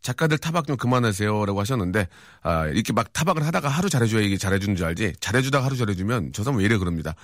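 A middle-aged man hosting a live radio show, reading listener texts with quick, teasing banter and lots of fillers. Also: on the low side, expressive, no echo, clean studio sound. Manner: fast, joking, teasing banter with frequent fillers. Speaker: radio host. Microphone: studio microphone.

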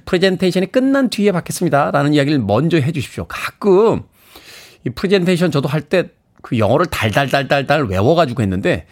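A man's voice: fairly high pitch, very animated, quick pace. A man hosting a radio show, chatting, reading listener messages and plugging events with self-mocking humor. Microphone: studio microphone.

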